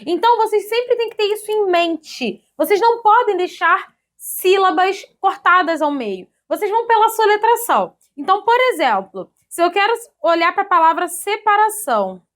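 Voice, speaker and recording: A Brazilian woman teaching an online grammar lesson in a lively, chatty way, often checking in with her students. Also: very high voice, normal speed. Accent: Brazilian Portuguese. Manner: lively, chatty, addresses students as "gente", ends points with "tá?".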